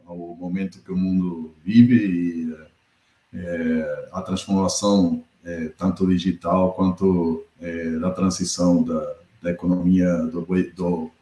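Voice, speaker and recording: A middle-aged man from Argentina with an Argentine accent, speaking as a podcast guest in a measured, thoughtful way, often pausing to find his words. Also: sits low, warm tone. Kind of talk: podcast interview. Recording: echoey room.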